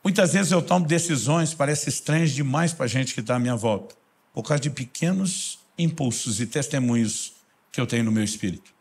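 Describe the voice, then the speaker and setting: A man with a Brazilian Portuguese accent, preaching a storytelling sermon that swings between loud bursts and hushed intensity. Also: mid-range voice, fairly quick, slightly rough. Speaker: pastor.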